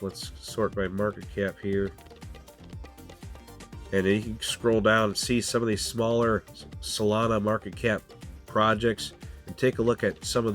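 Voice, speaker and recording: A man hosting a casual crypto walkthrough, sounding stuffy and nasal from a cold, talking loosely with lots of fillers. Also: lowish voice. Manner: casual, filler-laden, repeats "go ahead" and "guys". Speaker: crypto channel host. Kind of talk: screen-share walkthrough, casual explainer.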